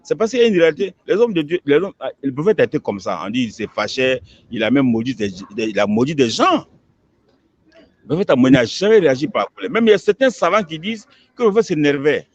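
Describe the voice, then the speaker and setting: A man's voice: a little high, sing-song, fast talker. A man, an imam, answering questions in an emphatic preaching manner, repeating words as he builds each point. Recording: dull lo-fi recording.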